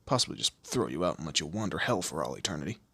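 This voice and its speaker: Man acting as demon lord, audio roleplay, forceful edge, gravelly fry, commanding, theatrical, teasing menace, very dry close sound. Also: very animated, rapid-fire, no echo, exaggerated voice. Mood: stern, threatening. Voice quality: low, gravelly, husky. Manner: imperious, theatrical, drawling threats and teasing. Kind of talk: scripted audio roleplay addressed to the listener.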